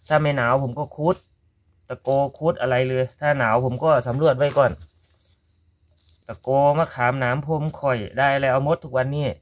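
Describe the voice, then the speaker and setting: A man's voice: medium pitch, steady tone, normal speed, highs cut off. A man with a Korat Thai accent, talking viewers through a gardening task in a casual how-to vlog and addressing them as brothers and sisters. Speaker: gardening vlogger.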